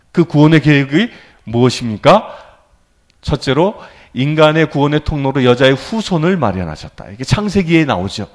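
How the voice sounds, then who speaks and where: A male priest giving a sermon lecture in a church, animated and often prompting his listeners with questions. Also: high voice.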